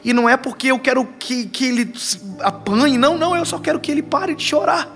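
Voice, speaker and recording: Man, young adult, Brazilian Portuguese accent, pastor, sermon, animated storytelling, high-pitched. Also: a little fast, faint music behind. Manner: animated storytelling, acting out quotes.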